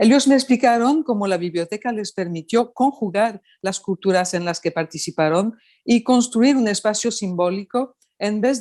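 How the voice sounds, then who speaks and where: With a French accent, a woman speaks slowly-ish at a medium pitch, her dark, mellow tone and lively intonation heard in a dry, close sound with no echo. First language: French (speaking Spanish). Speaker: anthropologist, lecturer. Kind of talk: lecture. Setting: remote talk, from a Greek island.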